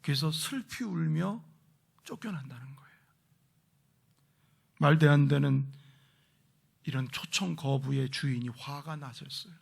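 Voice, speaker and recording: A male pastor delivers a sermon in a church sanctuary, his voice a touch higher than most men's and roughened with gravel. He preaches emphatically and drops into a near whisper to drive points home. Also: a little slow. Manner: leads the congregation in responsive reading.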